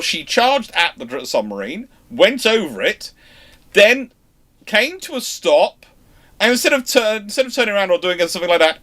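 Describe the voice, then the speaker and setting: A man hosting a livestream, chatting casually as he answers listener questions in an animated storytelling way. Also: high voice. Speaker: host of a naval history livestream.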